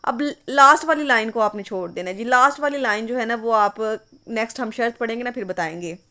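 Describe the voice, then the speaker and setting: A woman's voice: fairly high pitch, brisk, pushed and bright. A woman giving an online English literature lesson, explaining patiently and reading words out one at a time. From Pakistan. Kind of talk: online lecture.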